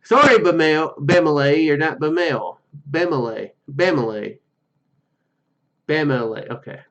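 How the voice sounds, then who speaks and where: A man's voice: a little high, lively intonation, a little slow, a bit bright. A man reading a game's narration aloud and adding casual commentary as a gaming video host, on a slightly lo-fi microphone.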